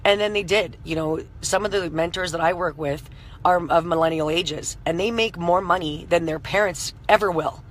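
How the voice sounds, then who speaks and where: A woman in her late thirties talks through a live stream with a hoarse, scratchy voice. She is loose and conversational, filling her speech with "you know" and breaking off to greet viewers. A faint hum of noise sits behind her. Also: on the low side, normal speed. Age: 30s. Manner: chatty, full of "you know" fillers, greets viewers by name. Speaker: entrepreneur hosting a live stream. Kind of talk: motivational live-stream talk.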